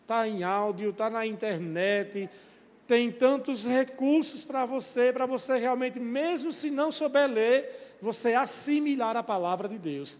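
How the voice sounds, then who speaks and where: A male pastor preaching a sermon, putting rhetorical questions to the congregation. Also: very high-pitched. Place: church. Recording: long church-hall reverb.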